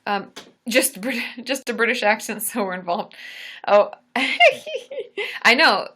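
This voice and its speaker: Woman therapist on a live stream, bright clear voice, laughs a lot, jokes about herself. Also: medium pitch, takes it slowly. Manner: chatty and self-mocking, laughs often. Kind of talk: casual live-stream chat.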